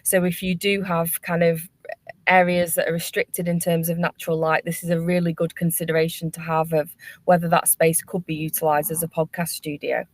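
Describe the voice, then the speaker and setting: A woman's voice: lowish voice, level tone, fairly quick. A woman giving a considered answer as a panellist on a webinar.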